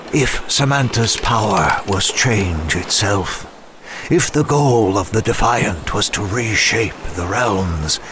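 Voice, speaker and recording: An actor playing a solemn, reflective centuries-old attendant in an audio drama monologue, formal, measured and pensive. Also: male voice, low voice. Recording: clear background noise under voice.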